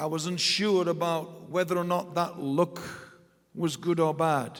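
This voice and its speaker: The man's pitch is high, and he talks at a fairly slow pace. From England. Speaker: pastor. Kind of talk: sermon. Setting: church.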